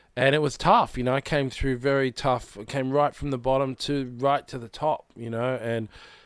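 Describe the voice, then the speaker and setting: A man with an Australian accent, fairly even intonation and hardly any pauses. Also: medium pitch for a man, moderate pace. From Sydney, Australia (Maroubra). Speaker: filmmaker and actor. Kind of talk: casual chat.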